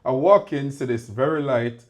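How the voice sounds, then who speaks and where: A man from Jamaica co-hosting a podcast, chatting casually and getting loud and animated when he tells a story. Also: mid-range voice, normal speed. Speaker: podcast co-host. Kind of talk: casual chat. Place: indoor podcast studio.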